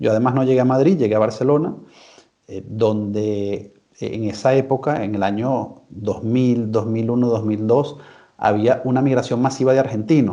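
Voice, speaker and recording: A man with a Venezuelan accent speaks at a moderate pace in a medium pitch. His tone is dark and mellow, with ordinary pitch variation. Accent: Venezuelan, retained. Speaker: journalist. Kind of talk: interview.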